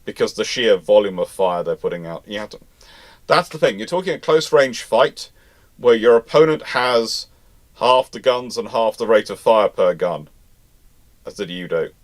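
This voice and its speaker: A man with a fairly low voice hosts a live question session. He reads each question out and then explains his answer at length in an informal, unscripted way. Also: moderate pace. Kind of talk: live naval history question-and-answer talk.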